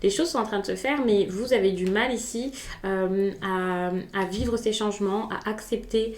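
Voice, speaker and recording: A woman's voice: mid-range voice, normal speed, a little mellow, echoey room. A woman giving a spontaneous, chatty tarot reading, with many hesitations and restarts. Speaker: tarot reader.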